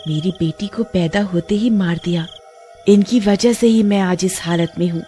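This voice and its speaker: A woman's voice: mid-range voice, moderate pace, mellow, faint music behind, lightly acted. A woman voicing a fierce snake-bodied female witch in a cartoon horror story, with a menacing, gloating delivery. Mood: vengeful.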